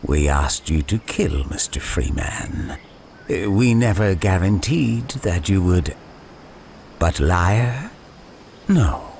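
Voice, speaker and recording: Smug middle-aged manipulator, extremely low voice, slow halting formal delivery, game cutscene, faint background noise. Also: male voice, sing-song, creaky, a little mellow, heavily acted. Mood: smug, measured. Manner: halting, formal, condescending, with odd hesitations. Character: eerie, smug middle-aged man in a suit, cryptic manipulator. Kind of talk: dramatic game cutscene acting.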